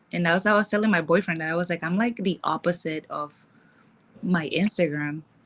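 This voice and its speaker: A woman speaks with a Nicaraguan accent. Her pitch is fairly low. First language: Spanish. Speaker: podcast guest, social media influencer. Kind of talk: casual interview chat.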